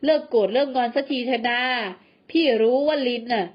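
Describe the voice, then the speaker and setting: A woman voicing a brash, jealous male ex-husband who speaks roughly and coarsely. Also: sits high, brisk, highs cut off. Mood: pleading.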